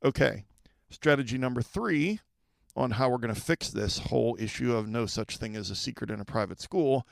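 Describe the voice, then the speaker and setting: A man's voice: medium pitch, expressive, moderate pace, vocal fry, no echo. A middle-aged man hosting a podcast for school leaders, talking conversationally, repeating key points and checking in with listeners. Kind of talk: solo podcast advice talk.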